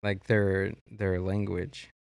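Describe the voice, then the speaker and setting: Halting gravelly-voiced man hosting a podcast. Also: deep voice, flat delivery, no echo. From Mexico. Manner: rambling, halting, many restarts. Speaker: podcast host. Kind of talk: casual podcast chat. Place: podcast studio.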